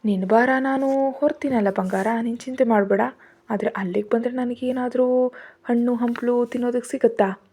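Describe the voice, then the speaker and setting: A cheeky young man joking affectionately on the phone in a storybook tale, as a woman reads his part. The voice stays mellow and a little high. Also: steady tone, moderate pace, breathy edge. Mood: teasing. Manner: teasing, affectionate.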